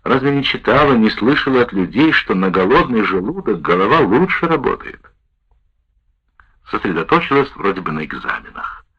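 A man narrates a wartime memoir in a low, husky voice. His measured reading moves through a wide, lively melody. The recording sounds dull and lo-fi. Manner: measured, expressive first-person reading.

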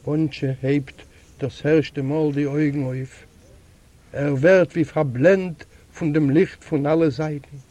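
Reading a literary recording, an older native Yiddish speaker takes his time with a high, mellow, steady voice. His storytelling is dramatic, with abrupt drops into quiet moments, and the sound is lo-fi.

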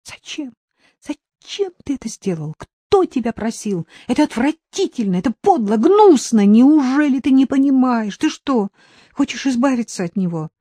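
A woman voicing a distraught young mother, fierce and defensive, speaking in shrill, accusing outbursts. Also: big pitch swings, slow, dark tone, dry recording. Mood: furious.

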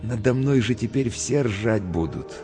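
A man's voice: on the low side, animated, fairly quick, a little mellow, pitched above the performer's own voice. A man voicing a nervous, whiny young male soldier who complains. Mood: anxious. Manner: whining, complaining. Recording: long reverb with faint music.

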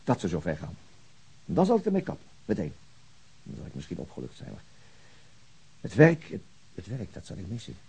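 A principled, brooding veteran cop in a naturalistic radio drama. His low voice is very husky and swings widely in pitch, as he gropes haltingly for his words. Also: wildly swooping pitch, a little mellow, exaggerated voice. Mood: earnest, troubled. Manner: halting, reflective, searching for words.

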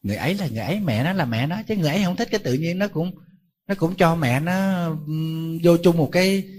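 A man's voice: on the high side, animated, fast talker, a little mellow. A man, a Buddhist monk giving a sermon, telling stories in a conversational way and throwing rhetorical questions at his listeners.

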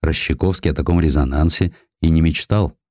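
A man narrating historical prose as an audiobook, with a measured, expressive and dramatic literary delivery. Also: extremely low pitch, no echo, clean studio sound. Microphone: close studio microphone.

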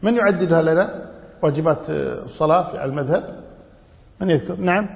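A high-pitched man gives a classroom lecture on Islamic law. He quizzes his students and repeats the key phrases for emphasis. His voice rings with a long reverb from the lecture hall, on a dull, lo-fi recording. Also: fairly quick, vocal fry.

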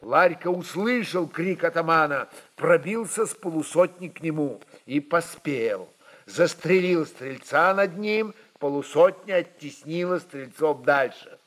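A man's voice: fairly high pitch, lively intonation, measured pace, a bit bright. A man narrating a literary historical story in a dramatic audiobook style.

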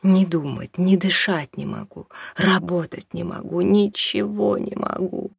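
A reader voicing a desperate mother torn by a new love, pleading in a husky, high, breaking voice. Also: normal speed, no echo, studio quality. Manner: pleading, tearful, rising to high anguished pitch. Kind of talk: audiobook reading.

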